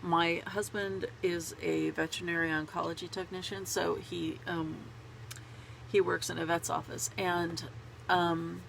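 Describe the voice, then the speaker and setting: Woman vlogger with a head cold: bright, gravelly, stuffy-nosed, rambling and laughing at herself. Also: fairly low pitch, level tone, a little slow, a little hiss or hum, low-quality recording. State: congested with a cold. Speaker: knitting vlogger. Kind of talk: casual chat to camera. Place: small home closet.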